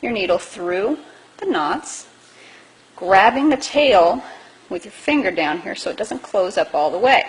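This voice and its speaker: Over noticeable background noise, a woman speaks at a fairly slow pace in a fairly high pitch that swings very widely. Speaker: craft tutorial maker. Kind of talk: tutorial. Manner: slow, demonstrative.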